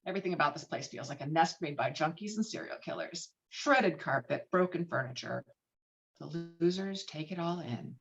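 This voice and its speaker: Reading stage directions dramatically as narrator of a screenplay table read, this woman has a low, gravelly voice with lively intonation at a moderate pace. She's on a video call with dull, lo-fi sound.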